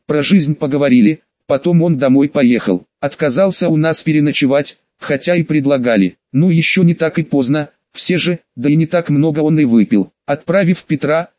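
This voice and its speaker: A man narrating an audiobook in the first person, reading in a steady, even way. His voice sits a bit high for a man. The sound is dry and close, with a slightly dull, muffled tone. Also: moderate pace, hardly any pauses, dry recording.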